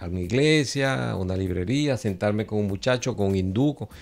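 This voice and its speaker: A man's unremarkable speaking voice, fairly low in pitch, at a fairly quick pace with lively intonation. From Venezuela. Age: 60s. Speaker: professor and writer. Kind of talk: interview.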